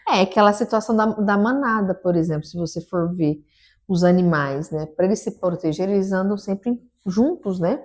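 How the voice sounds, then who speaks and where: A woman's voice: medium pitch, a little mellow. A woman co-hosting a casual Christian podcast, talking earnestly and stopping to restart her phrases. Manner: earnest, preachy, halting with restarts. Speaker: podcast co-host.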